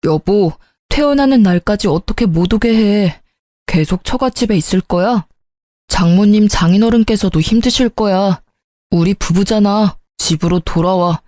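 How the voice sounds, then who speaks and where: A woman's voice: medium pitch, moderate pace, dark tone, no echo, studio quality, lightly acted. A woman voicing a young husband who begs his wife to forgive him and come home. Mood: pleading. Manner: begging, apologetic.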